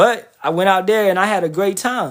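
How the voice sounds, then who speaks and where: An animated tone at a moderate pace. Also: man. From rural area. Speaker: religious teacher. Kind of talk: sermon. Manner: repetitive, halting.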